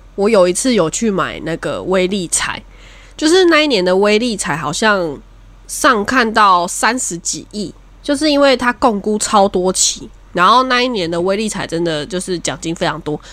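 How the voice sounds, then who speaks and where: A woman's unremarkable speaking voice, medium in pitch, with lively intonation. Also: moderate pace. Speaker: podcast co-host. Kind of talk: casual chat.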